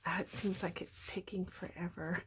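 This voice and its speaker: A middle-aged woman with a hoarse, croaky voice, casually showing handmade journals. She talks softly and often slips into a whisper. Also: on the low side, steady tone, moderate pace, a little hiss or hum. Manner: soft-spoken, often drops to a whisper. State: hoarse, recovering from a cough. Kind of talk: casual show-and-tell narration.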